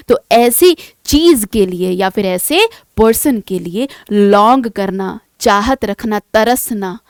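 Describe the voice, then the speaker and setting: A woman's voice: a little high, clear, resonant tone, no room sound, studio quality. A woman teaching an exam-prep vocabulary lesson, explaining patiently, repeating key words and asking rhetorical check questions.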